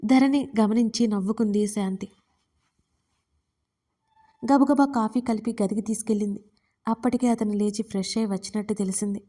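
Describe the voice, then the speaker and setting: A woman narrating a romantic audio story in a steady, even reading voice. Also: mid-range voice, normal speed, long pauses. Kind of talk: scripted narration.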